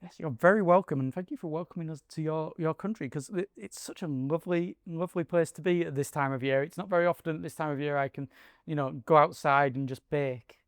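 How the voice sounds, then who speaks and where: A man's voice: on the high side, quick pace, clear, resonant tone, no room sound. Jokey man hosting, dry close sound. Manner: jokey and chatty, with stumbling restarts. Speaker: host. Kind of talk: casual podcast hosting. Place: outdoors by a pool.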